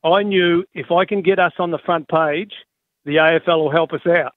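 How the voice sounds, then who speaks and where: A middle-aged Australian man tells his stories with a wry, fired-up energy. His voice sits high for a man and comes through a dry, tinny phone line. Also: moderate pace, no echo. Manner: animated storyteller, wry and fired up. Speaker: former football coach, radio guest. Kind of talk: casual radio interview.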